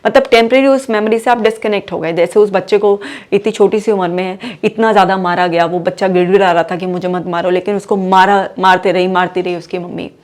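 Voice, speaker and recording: An Indian-accented woman psychologist teaching in a calm, measured voice of middle pitch. She explains step by step, weaving English terms into her Hindi. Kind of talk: explanatory talk on mental health.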